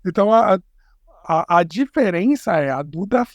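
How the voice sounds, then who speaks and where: A Brazilian-accented man with a slightly higher-than-usual voice, talking as an interview guest. He explains in a relaxed, meandering way, with fillers and restarts. The recording is dry and close. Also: moderate pace, no echo. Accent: Brazilian Portuguese. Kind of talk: casual conversational interview.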